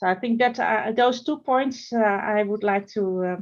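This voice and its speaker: A woman with a non-native accent talks at a moderate pace with a fairly high pitch. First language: not English. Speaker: research funder policy officer. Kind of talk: conference panel talk. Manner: halting.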